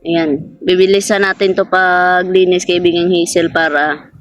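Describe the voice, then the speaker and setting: A woman's voice: fairly low pitch, flat delivery, measured pace, no room sound, muffled recording, soft background music. A woman vlogging outdoors in a garden, chatting casually with an unseen spirit friend, passing on what it says and laughing often. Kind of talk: casual spoken vlog addressing an unseen spirit.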